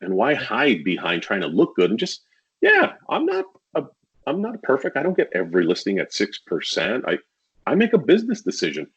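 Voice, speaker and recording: A man with a low, husky voice talks candidly, his pitch swinging widely as he acts out his old sales pitches. The recording sounds muffled and lo-fi. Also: huge pitch swings, brisk, a bit bright. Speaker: podcast guest, real estate agent. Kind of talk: casual podcast conversation.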